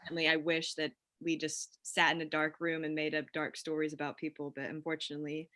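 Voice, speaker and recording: Chatty woman with a lowish voice. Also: completely flat delivery, quick pace, pushed and bright. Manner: informal, chatty. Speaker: writer at a script table read. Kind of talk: casual group discussion.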